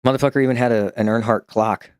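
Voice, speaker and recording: A man chatting on a stream, spilling rambling, profane stories full of restarts and little laughs, with a slight New York twang that creeps in as he gets worked up. His voice sits at an ordinary middle pitch. He is recorded on a close, dry mic with no room sound. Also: fairly even intonation, fast, clear, resonant tone, dry recording. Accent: slight New York-style twang when excited. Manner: chuckles while telling stories. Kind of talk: casual stream chat.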